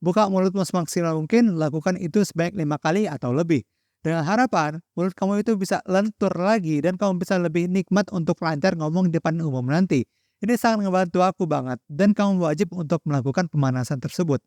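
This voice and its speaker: Young male tutorial host from Indonesia; raised pitch, talks straight to the viewer like a friend, dry close sound. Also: quick pace, darkish tone, no echo. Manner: direct, addresses viewer as friend, instructive. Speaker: content creator teaching public speaking. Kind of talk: scripted-sounding solo tutorial to camera.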